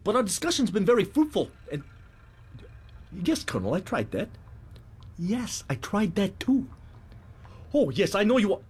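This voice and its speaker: A smooth-talking army captain, played by a man in a stage play. His polite, coaxing voice moves lively up and down. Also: sits high, normal speed, long pauses, voice pushed up, full character voice. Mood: deferential. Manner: polite, coaxing, deferential to superiors.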